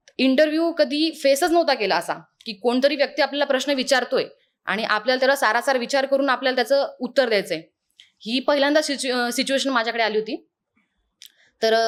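Her voice is high-pitched, and the woman's pitch varies in an ordinary way. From Karjat, Raigad, Maharashtra. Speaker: successful exam candidate. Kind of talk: motivational talk to students.

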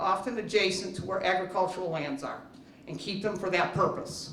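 A woman's medium-pitched voice in an American accent, fairly even in intonation, with audible room echo and noticeable background noise. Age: 60s. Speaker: farmer, public hearing speaker. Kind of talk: public hearing testimony. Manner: impassioned.

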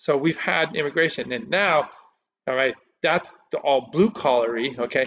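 This man has an American accent and talks at a moderate pace. His pitch varies in an ordinary way over a quiet background. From US. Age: 60s. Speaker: university professor. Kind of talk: lecture. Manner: informal. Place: home room. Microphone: webcam.

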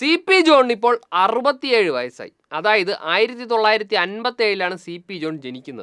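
With very wide pitch swings and big swings in loudness, a woman speaks in a fairly high voice. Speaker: political commentator. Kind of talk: opinion monologue.

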